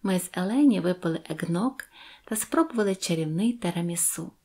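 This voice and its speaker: A woman narrating a Christmas fairy tale in the first person, gentle and expressive. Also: on the low side, brisk, breathy edge. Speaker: audiobook narrator. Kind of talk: storytelling narration.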